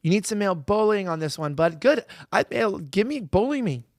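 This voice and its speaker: A man's voice: high voice, big pitch swings, brisk, dry recording, clean studio sound. A young man hosting a casual show, rambling and correcting himself as he reads viewer comments. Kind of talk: casual chat.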